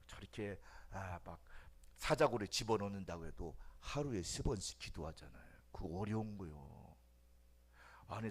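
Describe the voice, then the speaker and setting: A middle-aged male pastor preaching a sermon, swinging from loud cries to hushed whispers and repeating phrases for emphasis. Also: fairly low pitch, breathy edge.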